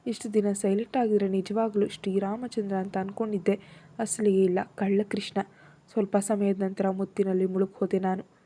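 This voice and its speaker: A woman tells a romance story in the first person and acts out the heroine's every feeling. Her voice is very dark and mellow, with a husky grain. She reads it like a storyteller sharing a serial. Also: mid-range voice, level tone, normal speed.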